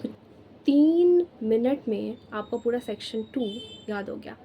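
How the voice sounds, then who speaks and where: A woman's voice: a little high, animated, unhurried, mellow, highs cut off, a little hiss or hum. A young Indian woman teaching law, mixing Hindi and English with friendly check-ins as she explains memory tricks. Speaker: law tutor. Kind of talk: exam-prep lesson.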